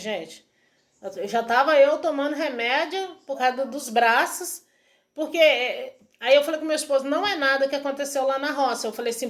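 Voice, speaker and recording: Chatty high-voiced woman vlogger. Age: adult student. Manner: chatty, repetitive, retells dialogue. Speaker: vlogger sharing a home remedy. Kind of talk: casual testimonial to camera.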